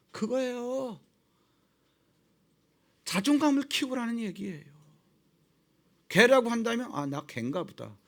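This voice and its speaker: A middle-aged man preaching a sermon as pastor, acting out dialogues and dropping suddenly to low, quiet tones.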